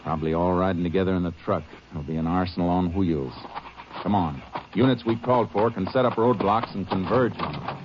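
An actor playing a tough, steady Texas Ranger in a 1950s radio western, clipped and authoritative, on a muffled old broadcast. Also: male voice, deep voice, a little fast, noisy background, natural voice. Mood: brisk, decisive. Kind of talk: 1950s radio western acting and terse narration.

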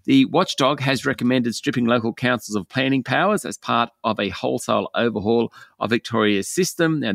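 An Australian man presenting a scripted market news bulletin, briskly and with emphasis as he opens each item. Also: medium pitch, vocal fry, fairly bright tone, no echo, studio quality.

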